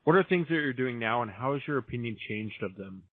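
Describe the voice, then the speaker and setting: A man's voice: medium pitch, fast talker, dry recording. Guy hosting a radio show, jokey questions, dry tinny phone audio. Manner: joking, relaxed questioner. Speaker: radio host. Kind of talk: interviewing on radio.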